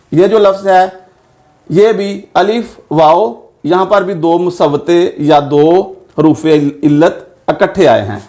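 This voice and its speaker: A man teaching a grammar lesson, spelling words out letter by letter and repeating each example slowly. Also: sits high, a little mellow.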